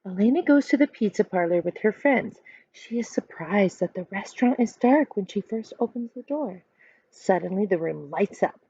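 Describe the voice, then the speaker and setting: A woman in her thirties reading a children's book aloud like a teacher, expressive and instructive, pausing to explain. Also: medium pitch, husky. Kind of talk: read-aloud storytelling with explanations. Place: small furnished room indoors at home. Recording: dull lo-fi webcam sound.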